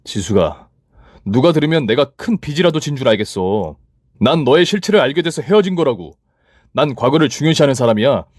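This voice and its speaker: A man voicing a boyfriend, a company boss, calm and a little hesitant. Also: medium pitch, fairly quick, no room sound, studio quality, natural voice.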